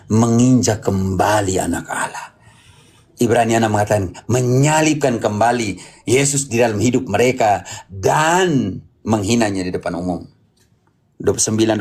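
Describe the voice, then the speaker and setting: A man's voice: fairly low pitch, a little mellow, breathy edge. A man preaching as a Catholic Bible teacher, emphatic, repeating phrases and prompting with questions. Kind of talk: interactive Bible teaching, apologetics.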